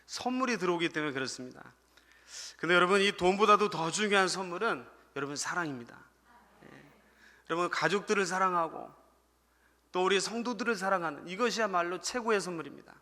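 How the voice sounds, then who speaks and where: Male pastor giving a sunday sermon, high bright voice, big church reverb. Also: brisk. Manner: addresses the congregation often, tells a humorous story. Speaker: associate pastor. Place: church sanctuary.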